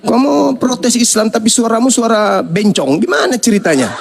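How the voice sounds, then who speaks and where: A man's voice: very high voice, normal speed, creaky, slight background noise. A man, hosting a heated livestream debate, mocking and scolding with bursts of laughter. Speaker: debate host.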